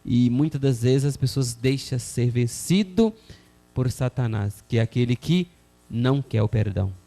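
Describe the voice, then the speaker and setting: A medium-pitched, mellow male voice with vocal fry moves at a moderate pace against soft background music. The Christian television host preaches earnestly about forgiveness, reading scripture and viewer messages aloud and frequently dropping in "né?".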